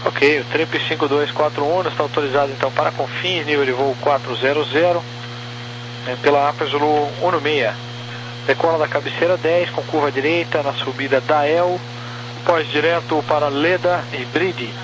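Brazilian guy doing atc clearances on crackly military-style radio, lots of hum and noise, clipped procedural readout. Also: a little high, steady tone, moderate pace. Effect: crackly aviation radio. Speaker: air traffic controller. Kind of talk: radio air traffic clearance phraseology.

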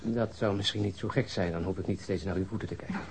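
An actor playing a reserved police detective in a radio drama, laconic and dry. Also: male voice, fairly low pitch, steady tone, quick pace, background noise, natural voice. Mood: terse, dry.

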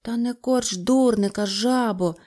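A woman voicing a gentle male mole who speaks in a worried, pleading way in a storybook reading. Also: medium pitch, monotone, measured pace, lightly acted.

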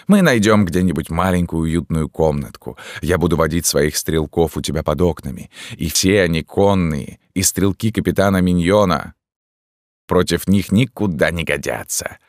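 A man voicing a boastful, amorous young army captain who talks in a smooth, self-satisfied, drawn-out way in a storybook reading. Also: low-pitched, dry recording, studio quality. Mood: smug.

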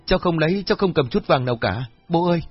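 A man's voice: medium pitch, lively intonation, normal speed, breathy edge, dull audio, faint music behind. A man voicing a frightened young village man who begs and swears oaths, in a storybook reading. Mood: begging, tearful. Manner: wailing, begging, swearing oaths.

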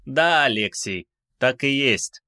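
A man voicing an ancient, courteous cyborg, once a captain, who tells his story in an unhurried, reflective way in a science fiction audiobook. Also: mid-range voice, animated, sharp tone, no echo, clean studio sound, voice pushed up. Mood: reflective, proud.

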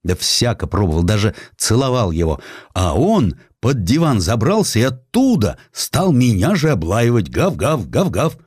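A man's voice: medium pitch, sing-song, moderate pace, a little mellow, slightly rough, dry recording, clean studio sound, pitched above the performer's own voice. A man voicing a bitter, weary, despairing middle-aged Russian general in an audiobook, plain-spoken and disillusioned. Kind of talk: audiobook character dialogue.

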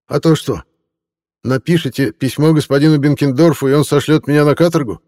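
A man's voice: on the high side, a little fast, darkish tone, pitched above the performer's own voice, close to an everyday voice. A man doing a drunk, sneering young reporter. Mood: mocking. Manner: slurring, mocking, pompous old-fashioned phrasing. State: tipsy. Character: drunken, insolent young male newspaper reporter.

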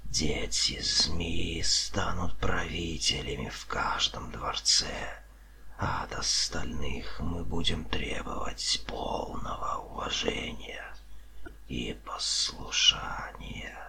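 A man voicing a mocking, arrogant serpent-man leader in an audiobook, in a soft, hissing whisper with a haughty, drawn-out delivery. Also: low-pitched, huge pitch swings, heavily acted. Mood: haughty, menacing. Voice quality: breathy whispering hiss, soft. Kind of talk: audiobook character voice.

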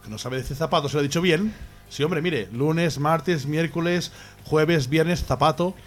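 A man's voice: fairly high pitch, moderate pace, soft background music. Chatty man joking. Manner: chatty, tags sentences with "¿eh?". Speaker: radio comedy co-host. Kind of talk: casual radio chat and jokes. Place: radio studio, music behind.

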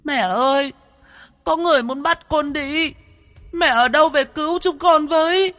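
A man's voice: very high-pitched, lively intonation, unhurried, sharp tone, in a large hall, voice pushed up, heavily acted. A man voicing a stubborn, tearful ghost girl of about five, defiant and wailing, in a storybook tale.

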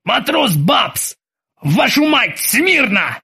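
A man's voice: high-pitched, sing-song, measured pace, a bit bright, slightly rough, pitched above the performer's own voice, exaggerated voice. A man voicing a bossy, ironic male sea captain who barks orders at his crew.

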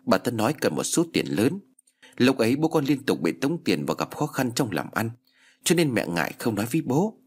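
A man's voice: medium pitch, sing-song, a little fast, slightly rough. A man voicing a desperate young wife and mother who pleads in anguish in a spoken story. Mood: pleading.

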